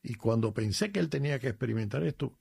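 Un sacerdote cubano con acento cubano, que habla con fervor y cuenta anécdotas personales en un programa de radio. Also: male voice, mid-range voice, animated, fast talker, vocal fry, warm tone, slightly rough, dry recording, studio quality. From Cuba. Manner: earnest, emphatic, tells personal stories. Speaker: priest, regular guest. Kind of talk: radio chat on faith.

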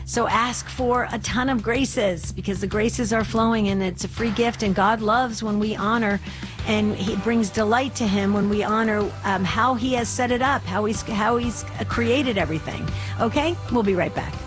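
A woman hosting a devotional call-in radio show, chatty and devout, with a slightly hoarse voice and frequent restarts. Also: a little high, moderate pace, music in the background.

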